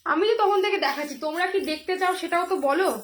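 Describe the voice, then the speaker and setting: A hoarse woman selling jewellery on a live stream, chatty and repetitive, with many fillers and drawn-out phrases. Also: very high voice, a bit bright. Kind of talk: live sales pitch.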